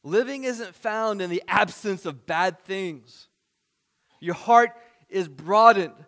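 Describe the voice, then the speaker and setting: A male pastor preaching a sermon to his church, earnest, rising to emphatic points and then dropping soft. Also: high-pitched, slow.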